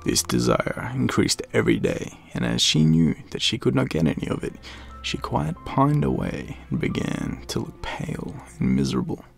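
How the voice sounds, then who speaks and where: A man with an Australian accent giving dramatic storybook narration, often dropping into a breathy hush. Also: sits low, huge pitch swings, normal speed, soft background music.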